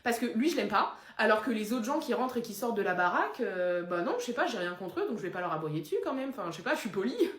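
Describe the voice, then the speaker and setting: A woman's voice: medium pitch, quick pace, few pauses. A woman voicing a cheeky, foul-mouthed female pet dog in a comedy sketch, crude and theatrical. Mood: deadpan. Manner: crude, deadpan then explosive. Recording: roomy echoey room.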